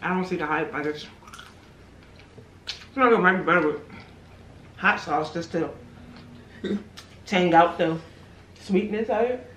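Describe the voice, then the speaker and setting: A woman's voice: on the low side, unhurried, pauses often, slight background noise. A woman hosting a mukbang vlog, chatting casually and in slang with her mouth full of chicken. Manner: relaxed, slangy, mumbling between bites. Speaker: mukbang host. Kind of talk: casual eating chat. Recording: echoey room, mic at a distance.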